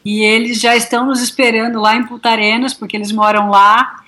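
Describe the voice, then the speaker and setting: Upbeat Brazilian woman, higher voice. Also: level tone, brisk, sharp tone. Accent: Brazilian Portuguese. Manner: cheerful, enthusiastic storytelling. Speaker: touring cyclist guest. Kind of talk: casual interview chat.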